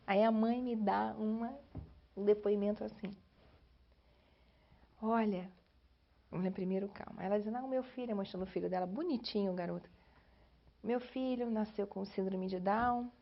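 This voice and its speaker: A woman with a Brazilian Portuguese accent speaks in a somewhat high voice, telling her story in an oral history interview. She talks in an emotional, animated way. The recording sounds slightly dull and lo-fi.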